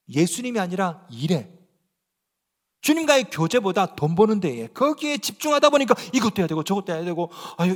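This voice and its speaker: A high-voiced male pastor preaches to his church, his words carrying a big-room sound. He quizzes the congregation and swings from emphatic loudness to hushed near-whispers.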